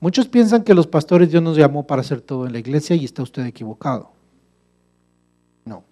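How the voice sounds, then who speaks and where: A man's voice: fairly high pitch, sing-song, fairly quick, warm tone. A male pastor preaching a sermon, emphatic and full of rhetorical questions to the congregation.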